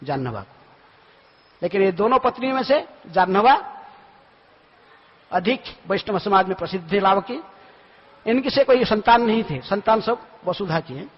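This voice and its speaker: A man's voice: high voice, animated, normal speed, long pauses, slightly rough. A man giving a devotional storytelling lecture in a temple hall, often asking himself questions and answering them. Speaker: monk lecturer. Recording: lo-fi recording with long hall reverb.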